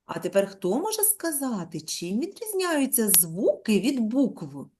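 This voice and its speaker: A woman primary school teacher giving an online lesson to young children. She dictates slowly, stretches out words and sounds out letters one by one, and keeps prompting the pupils with questions. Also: on the high side, big pitch swings, dark tone. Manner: drawn-out, slow dictation, sounding out letters and syllables.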